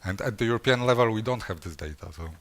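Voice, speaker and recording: A man's voice: fairly low pitch, fast, a bit bright. A man speaking at a conference, answering audience questions in a hesitant way with many fillers and restarts. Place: conference session room.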